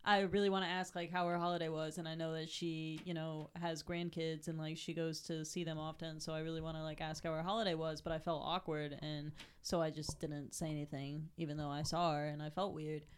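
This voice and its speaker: A woman's voice: low voice, level tone, fairly quick, few pauses, slight background noise. A woman in casual chat, rambling with lots of filler words.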